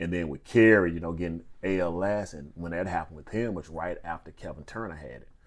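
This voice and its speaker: This man has a very deep, low voice and an American accent, with ordinary pitch variation. He talks very fast with hardly any pauses and big swings in loudness. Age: 60s. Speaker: football coach, former NFL player. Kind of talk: casual podcast interview.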